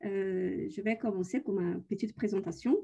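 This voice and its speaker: This woman's voice has a dark, mellow tone and is somewhat breathy. Her pitch varies in an ordinary way. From Brazil. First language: Portuguese (speaking French). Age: 40s. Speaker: expat consultant, entrepreneur. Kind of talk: webinar presentation. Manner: hesitant, many fillers.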